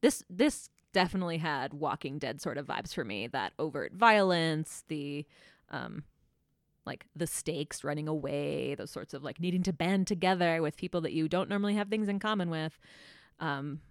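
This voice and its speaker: A woman co-hosting a casual book podcast, thoughtful and often pausing to find the right words. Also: low-pitched, no echo, clean studio sound. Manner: thoughtful, searching for words, self-correcting.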